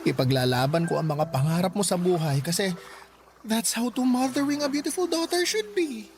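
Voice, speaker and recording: A man's voice: high voice, normal speed, soft background music. A man acting a flamboyant, loving but stern gay adoptive mother with a Filipino accent, campy and sassy, in a radio drama. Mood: stern, proud. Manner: campy, theatrical, code-switching into English exclamations.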